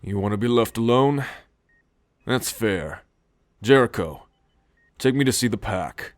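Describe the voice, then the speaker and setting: A man acting a brisk, direct character in an audio drama. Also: on the low side, animated, dry recording, studio quality. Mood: assured.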